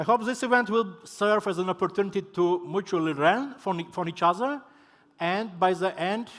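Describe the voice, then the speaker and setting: A high-pitched man with a Georgian accent. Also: ordinary pitch variation, moderate pace. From Georgia, Tbilisi. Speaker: NGO representative, moderator. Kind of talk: conference opening speech. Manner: formal; halting.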